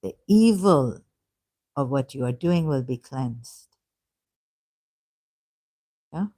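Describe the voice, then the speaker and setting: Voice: mid-range voice, lively intonation, slow pace, dark tone. A vlogger talking in an unscripted monologue about religious texts, rambling and hesitant, often stopping and restarting and asking rhetorical questions.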